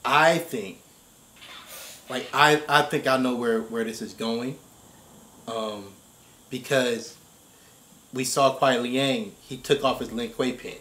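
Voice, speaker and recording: An American man in casual discussion, thinking aloud in a halting, emphatic way and often repeating himself. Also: mid-range voice, fairly even intonation, sharp tone. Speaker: reaction show host. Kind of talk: casual chat, video game story discussion. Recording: roomy, echoing space.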